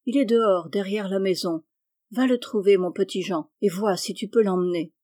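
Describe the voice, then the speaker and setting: A woman's voice: mid-range voice, normal speed, mellow, close to an everyday voice. A woman reading aloud, voicing an exasperated peasant aunt who scolds and grumbles. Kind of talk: audiobook reading.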